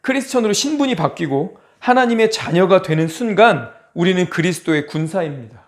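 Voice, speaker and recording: A male pastor with a rather high voice for a man preaches a forceful sermon. He keeps firing rhetorical questions at his listeners and leans on dramatic pauses to drive each point home.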